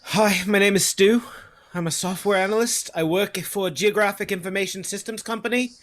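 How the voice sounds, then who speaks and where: Woman doing shy awkward IT person, mid pitch, hesitant, mild, comedy script read. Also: moderate pace, close to an everyday voice. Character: meek, awkward, mild-mannered human IT worker.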